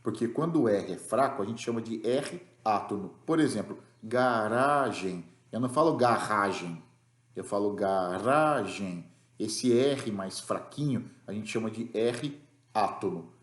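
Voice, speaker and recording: A man's voice: lowish voice, animated, normal speed, a little mellow, reverberant. A man with a Brazilian Portuguese accent teaching an English grammar lesson, explaining rules patiently and checking in with the class after each point.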